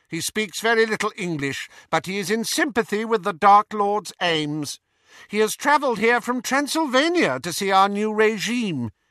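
Against a quiet background, a man puts on a high-pitched character voice. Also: moderate pace. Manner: contemptuous, cold, commanding.

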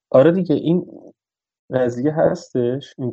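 The speaker is a man with lively intonation. He moves along at a fairly quick pace. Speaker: film podcast co-host. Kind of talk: casual chat.

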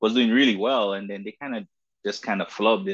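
A man with an American accent, fairly low in pitch, against a quiet background. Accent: slight accent he notices himself. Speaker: football podcast co-host. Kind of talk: casual sports podcast chat.

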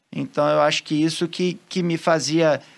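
A man speaks slowly-ish, at a fairly slow pace and a fairly high pitch, in an unremarkable speaking voice. The recording is very clean with a silent background. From Brazil, Espírito Santo (moved from Rio de Janeiro at eight). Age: 20s. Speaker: professional surfer. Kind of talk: casual interview.

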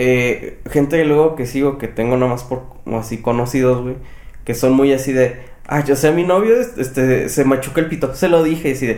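With a Mexican accent, a man speaks at a moderate pace and a medium pitch with fairly even intonation. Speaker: podcast co-host. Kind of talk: casual chat.

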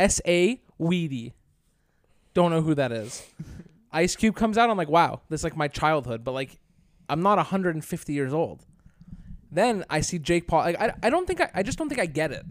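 A man with a high voice and lively intonation speaks with long, frequent pauses. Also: moderate pace. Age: 20s. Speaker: sports podcast co-host. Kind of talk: casual chat.

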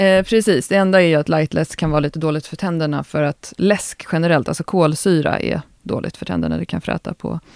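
In a very clean, dry, close recording with no echo and a silent background, a woman with a very deep, low pitch speaks at a fairly quick pace with ordinary pitch variation. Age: 40s. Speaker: podcast host, strength coach. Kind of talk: casual chat.

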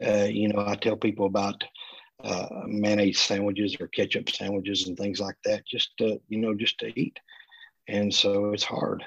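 A man with an American accent speaks at a fairly low pitch. His intonation is monotone and flat. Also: moderate pace, dry, close sound with no echo. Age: 40s. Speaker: business owner and sketch card producer. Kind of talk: interview.

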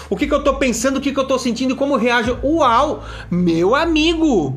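At a moderate pace, a man speaks with an extremely high pitch. Background noise is noticeable. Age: 40s. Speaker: emotional intelligence coach. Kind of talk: live stream talk.

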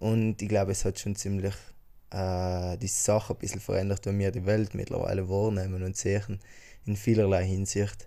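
In a South Tyrolean accent, a man with a fairly low pitch and a dark, mellow tone speaks in a monotone, flat way, recorded very cleanly with a silent background. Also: moderate pace. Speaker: podcast co-host. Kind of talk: casual chat. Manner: halting, many fillers.

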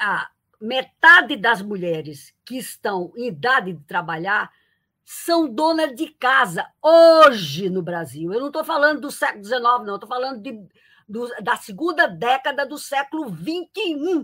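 On a very clean recording with a silent background, a woman speaks fairly slowly in a high, bright, sharp voice, with very wide pitch swings and big swings in loudness. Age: 70s. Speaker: professor and economic historian. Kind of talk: interview. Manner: halting; animated.

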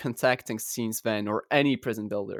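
Here a man is heard in a very clean recording with a silent background. The sound is dry and close with no echo. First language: not English. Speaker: YouTuber. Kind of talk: casual chat.

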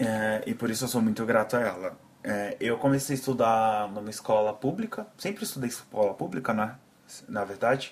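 A man talks in a São Paulo accent at a moderate pace. His voice sits at a medium pitch with fairly even intonation. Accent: Paulistano Brazilian Portuguese. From Brazil, São Paulo city. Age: 20s. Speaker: podcaster. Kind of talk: personal storytelling monologue.

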